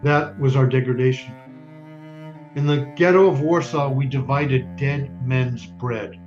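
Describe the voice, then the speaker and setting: An actor playing a stern yet tender, grieving Jewish father in a wartime ghetto, speaking in solemn, deliberate stage monologue with weighty pauses. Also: medium pitch, steady tone, darkish tone, lightly acted. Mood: bitter, mournful. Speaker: stage actor in community theater. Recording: dull lo-fi recording, music underneath.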